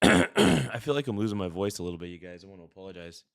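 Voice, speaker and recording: A man's voice: lowish voice, big pitch swings, fast talker, vocal fry, fairly bright tone. A man hosting a live stream, chatting casually with viewers while he plays a game, in a laid-back way. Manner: laid-back, peppers talk with "dude" and "brother". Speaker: livestream host. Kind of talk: casual livestream chat while gaming.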